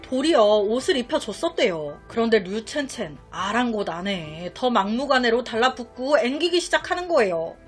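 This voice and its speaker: A woman's voice: fairly high pitch, sing-song, moderate pace, few pauses, faint music behind. A woman telling a crime story in a chatty way, with rhetorical questions and asides on what happens.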